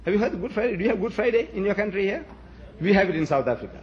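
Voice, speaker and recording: Emphatic man with a higher voice, lo-fi. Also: animated, racing, slight background noise. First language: Gujarati. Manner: emphatic, repeats questions to the crowd. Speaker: lecturer addressing an audience. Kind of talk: rhetorical public lecture.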